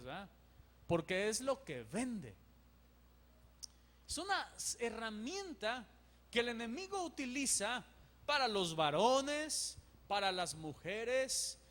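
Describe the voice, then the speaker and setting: A man preaching a sermon as pastor, animated and acting out dialogues. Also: very high voice. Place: church. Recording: long church reverb.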